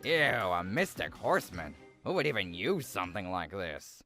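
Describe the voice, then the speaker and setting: A man's voice: low voice, sing-song, moderate pace, over music. A man voicing a smug, eager scavenging card duelist in an audio drama, picky about the loot. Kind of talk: fan audio drama acting.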